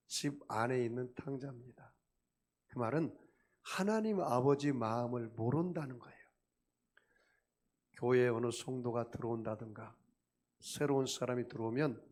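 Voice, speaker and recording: A man's voice: medium pitch, darkish tone. A male pastor delivering a sermon emphatically, often asking his congregation rhetorical questions.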